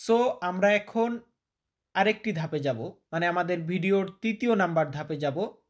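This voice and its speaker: A man's voice: high voice, lively intonation, measured pace. A man teaching vocabulary, repeating each word and quizzing the listener. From Bangladesh. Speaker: language teacher. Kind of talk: vocabulary lesson.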